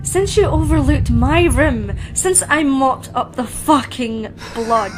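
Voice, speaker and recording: An actress playing a bitter, vengeful young female killer in a horror audio drama, seething and deliberate. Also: high voice, animated, darkish tone. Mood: bitter, anguished anger. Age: young adult. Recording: music under the voice.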